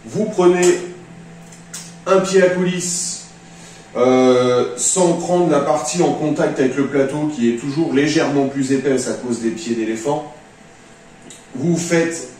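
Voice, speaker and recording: A man's voice: mid-range voice, darkish tone. Male tutorial presenter, informal step-by-step instruction, heavy room echo, distant microphone. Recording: very echoey room, distant mic, faint noise.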